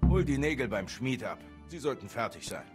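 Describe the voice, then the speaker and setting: A man's voice: medium pitch, sing-song, a little fast, close to an everyday voice. An actor voicing a stern village father in a medieval video game, grumbling about lazy helpers. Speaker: game character. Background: game music.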